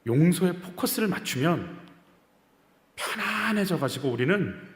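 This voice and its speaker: A man preaching a sermon as senior pastor at a Friday prayer meeting. He is impassioned, swings between loud outbursts and quiet murmurs, and asks the congregation rhetorical questions. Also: fairly high pitch, big pitch swings, a little slow. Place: church sanctuary. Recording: echoey church hall reverb.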